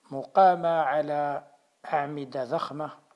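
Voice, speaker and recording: In a fairly high pitch, a man speaks with monotone, flat intonation. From Algeria. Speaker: religious preacher. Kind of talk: religious sermon.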